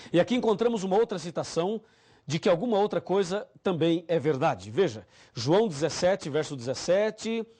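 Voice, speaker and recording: Brazilian male pastor with a slightly high voice, measured Bible study teaching to camera, reads verses slowly and asks the viewer questions. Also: darkish tone. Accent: Brazilian Portuguese. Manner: measured teaching, slow scripture reading, direct questions to the viewer. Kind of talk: recorded Bible study lesson.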